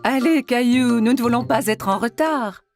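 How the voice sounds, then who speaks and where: Woman playing a gentle high-voiced cartoon mum. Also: moderate pace, soft background music, lightly acted. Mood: patient. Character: gentle, patient mother of a young boy.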